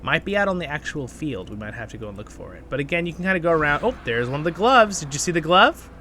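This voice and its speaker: Bright-voiced man hosting a game guide. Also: on the high side, very animated, fast talker, slight background noise. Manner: rambling, chatty, addresses viewers as friends. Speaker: gaming channel host. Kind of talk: casual gameplay guide commentary. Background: game background music.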